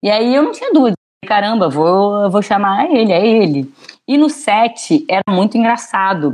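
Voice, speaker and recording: A woman speaks with very wide pitch swings. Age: 40s. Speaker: TV and film director. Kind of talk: interview.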